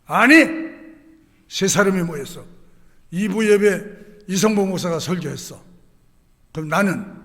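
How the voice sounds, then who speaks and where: A male pastor preaching a sermon, moving from quiet conversational asides to shouted declarations and firing rhetorical questions at the congregation. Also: sits high, lively intonation, measured pace, pauses often. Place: church sanctuary. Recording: echoey church hall.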